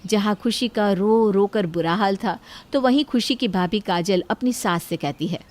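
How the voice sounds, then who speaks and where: A woman's voice: mid-range voice, moderate pace, darkish tone. Woman narrating a family drama story.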